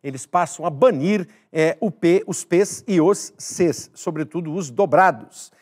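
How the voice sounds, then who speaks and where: A man's voice: a little high, expressive, a little slow, darkish tone, husky. A man teaching a recorded exam-prep grammar lesson, emphatic, repeating key words and speaking straight to the viewer.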